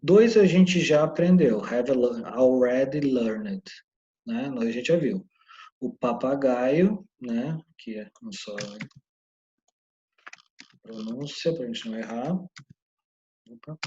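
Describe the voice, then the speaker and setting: A man's voice: mid-range voice, takes it slowly, pauses often, dark tone, highs cut off. A male English teacher gives a recorded online lesson, explaining step by step and often checking in with his students.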